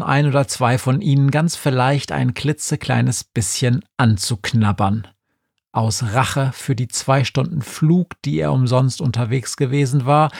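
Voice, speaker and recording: A man narrating a children's audiobook in a wry, deadpan storytelling manner. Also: mid-range voice, gravelly, no echo, studio quality.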